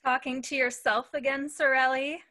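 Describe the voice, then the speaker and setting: A woman's voice: sits high, flat delivery, normal speed, pushed and bright. A young woman playing a teasing, wry backstage friend in a staged reading. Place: room at home, video call.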